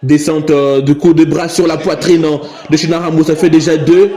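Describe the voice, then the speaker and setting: A man's voice: a little high, flat delivery, moderate pace, warm tone, some chatter behind. A man with a Congolese French accent giving live play-by-play commentary of a wrestling match, repeating phrases and exclaiming.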